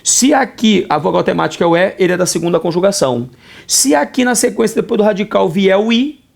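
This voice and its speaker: A middle-aged Brazilian man teaching grammar in a video lesson, lively, asking himself questions in a student's voice and answering them. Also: fairly high pitch, gravelly. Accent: Brazilian Portuguese.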